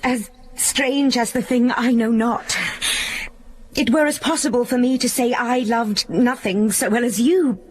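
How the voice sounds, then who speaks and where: A woman playing a slow, tart, sharp-tongued lady. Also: on the high side. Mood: sardonic. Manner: tart, clipped retorts. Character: sharp-tongued young noblewoman, witty and fierce. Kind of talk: Shakespearean verse acting.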